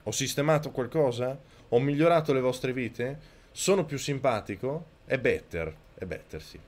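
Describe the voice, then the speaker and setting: A man streaming a video game live, talking close to his microphone, yelling and swearing at the game and thanking viewers. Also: mid-range voice, lively intonation, moderate pace. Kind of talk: live gameplay commentary. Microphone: microphone very close to the mouth.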